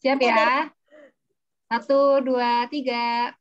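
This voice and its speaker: An Indonesian-accented woman with a high voice talks at a slow, casual pace. The video call audio is dull and muffled. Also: level tone. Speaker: photo-taker in online class. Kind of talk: casual chat.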